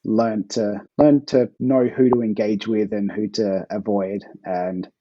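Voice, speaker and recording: Aussie guy chatting about his book, low-ish voice, lots of ums, kinda muffled audio. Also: a little slow, no room sound. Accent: Australian. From Australia. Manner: relaxed, hesitant with fillers and restarts. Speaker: author guest. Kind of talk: casual interview chat.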